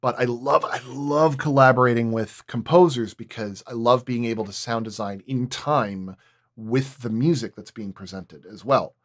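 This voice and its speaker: A man's voice: mid-range voice, moderate pace. A man who works as a sound designer, talking casually and in technical detail at a roundtable.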